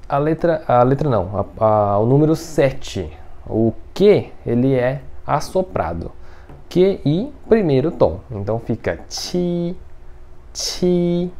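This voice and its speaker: A Mandarin teacher giving an online language lesson, patiently checking in after each point and slowly repeating each syllable. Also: mid-range voice, warm tone. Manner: patient, ends phrases with checking tags.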